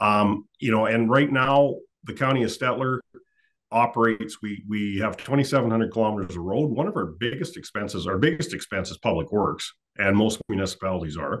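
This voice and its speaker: Over a quiet background, a man with a Canadian accent speaks at a moderate pace with lively intonation. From Canada (Alberta). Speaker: rural county mayor. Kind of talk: interview. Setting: video call. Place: office. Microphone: video call.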